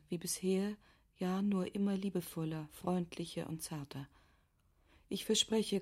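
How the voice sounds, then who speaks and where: A grave aristocratic wife in a literary radio drama. Her voice is low and very dark, with a husky, hushed edge. She reads formally, as if holding back pain. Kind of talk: literary radio drama, letter read aloud.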